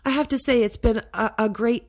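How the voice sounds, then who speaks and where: Guest, woman from Canada: low voice for a woman, sitting slightly high, animated and playful storytelling. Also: fairly quick. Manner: animated, playful storyteller who laughs through her stories. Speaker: podcast guest. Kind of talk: casual chat.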